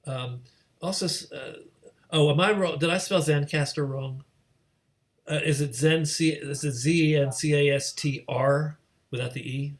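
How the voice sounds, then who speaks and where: A man's voice: a little high, steady tone, unhurried. A man hosting a question session on a video call, casual in style, with a hesitant, meandering way of talking. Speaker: host, moderator.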